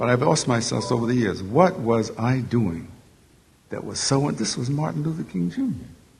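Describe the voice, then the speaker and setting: Room echo is audible as a man talks. His pitch swings very widely. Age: 70s. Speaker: former advisor to a civil rights leader. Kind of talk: panel discussion. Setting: stage with audience.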